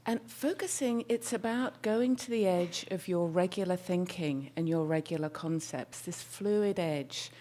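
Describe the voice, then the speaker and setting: Soft-voiced woman therapist on a stage mic, low and mellow, searching for words now and then. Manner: soft-spoken, leans in to the mic; thoughtful, searching for words with small restarts. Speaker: therapist giving a talk. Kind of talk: presentation to an audience.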